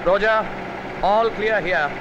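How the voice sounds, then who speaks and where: An actor playing a male police officer answering over a police walkie-talkie, with slow radio procedure. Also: high voice, highs cut off, noisy background. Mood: calm.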